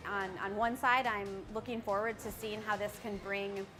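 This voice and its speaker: A woman's voice: medium pitch, steady tone, normal speed. A young woman who owns a bakery, talking in an upbeat, conversational way in a documentary interview. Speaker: bakery owner. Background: background music.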